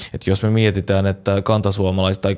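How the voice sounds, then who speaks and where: Fairly low in pitch, a man speaks with a Turkish accent, a dark, mellow tone and fairly even intonation. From Turkish-speaking background, moved to Finland at 14. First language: Turkish (speaking Finnish). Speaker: member of parliament. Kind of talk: panel discussion. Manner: halting, many repeated words.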